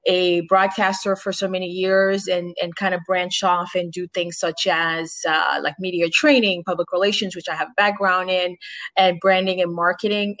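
A woman's voice: lowish voice, a bit bright. A woman from Haiti who grew up in Boston, a former broadcaster, speaking reflectively in an interview with many restarts. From Haiti, raised in Boston. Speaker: interview guest, former broadcaster and makeup artist. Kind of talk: conversational interview.

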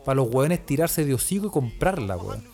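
A man's voice: medium pitch, sing-song, a little fast, creaky, a little mellow. A man from Chile with a Chilean accent, telling stories in a casual chat as a podcast co-host, full of slang and swearing and comically exasperated exaggeration.

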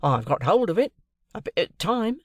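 A man's voice: sits high, very animated, brisk, dry recording, clean studio sound, pitched above the performer's own voice. Man doing Wemmick, a proud cheerful clerk. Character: cheerful proud middle-aged male clerk.

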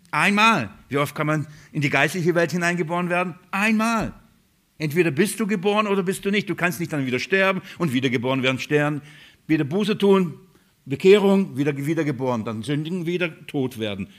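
A man preaching a sermon, emphatic and direct, asking rhetorical questions and calling his listeners beloved. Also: on the high side. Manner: emphatic, rhetorical questions, swings between loud stresses and quiet drops. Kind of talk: sermon on a Bible letter.

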